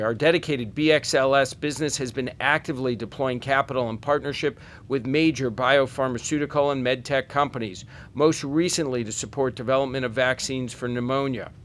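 A man's voice: mid-range voice, fairly bright tone. Male executive reading remarks over background noise. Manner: formal, measured reading of prepared remarks. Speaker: company executive presenting on an earnings call. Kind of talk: scripted corporate presentation.

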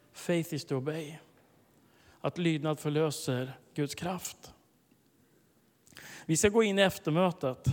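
Preacher, male, high voice, storytelling sermon, long hall reverb. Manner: storytelling with bursts of loud, high emphasis. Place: large hall, preaching to a congregation.

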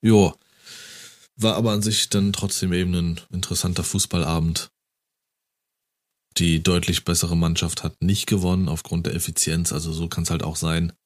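Very deep-voiced man chatting about football. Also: normal speed. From Germany. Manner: enthusiastic, animated retelling. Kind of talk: casual football chat.

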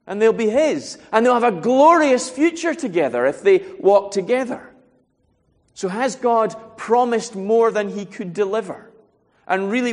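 A man's voice: sits high, in a large hall. A man preaching a sermon, earnest and asking rhetorical questions as he works through a Bible passage.

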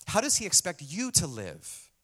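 Casual pastor, male, lively up-and-down delivery, self-deprecating and conversational with a live congregation. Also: high-pitched, normal speed, breathy edge. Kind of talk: conversational sermon. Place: church hall with audience.

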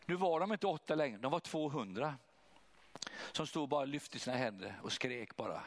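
A man preaching, telling a personal testimony in an animated way and acting out what others said. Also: mid-range voice. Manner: animated, acts out voices of others. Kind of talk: testimony storytelling.

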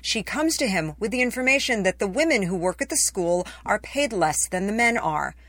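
A woman's voice: mid-range voice, animated, moderate pace, fairly bright tone, dry recording. A woman reading her own personal essay as scripted narration, in a conversational, wry storytelling way.

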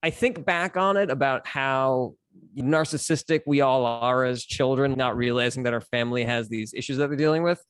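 A man's voice: medium pitch, normal speed, fairly bright tone, clean tone, dry recording. A man in his forties from Los Angeles with an American accent, telling personal stories candidly and articulately in casual conversation as a podcast guest. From Los Angeles, United States. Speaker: podcast guest, stand-up comedian.

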